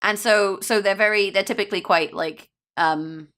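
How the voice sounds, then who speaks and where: A woman's voice: mid-range voice, normal speed, bright, forceful tone. A woman content creator chatting casually and informally as a guest on a gaming podcast.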